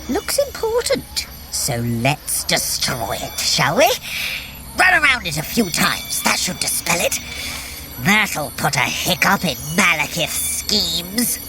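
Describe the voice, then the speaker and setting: A woman playing a sly, teasing trickster god in an audio drama, captive but cocky, with a wry, theatrical, coaxing manner. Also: lowish voice. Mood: sly, conspiratorial. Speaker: voice actor in a fitness audio drama. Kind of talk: audio drama acting, guiding a runner.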